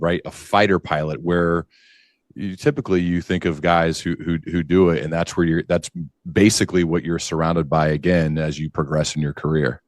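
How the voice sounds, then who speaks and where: Low-voiced man interviewing casually. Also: no room sound, studio quality. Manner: curious, thinks aloud while framing questions. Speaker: podcast host, interviewer.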